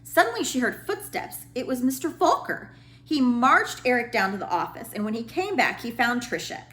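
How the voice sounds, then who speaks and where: A woman narrating a children's storybook as a read-aloud storyteller, with dramatic, deliberate phrasing. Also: fairly high pitch, big pitch swings, pushed and bright. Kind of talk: expressive scripted storybook narration.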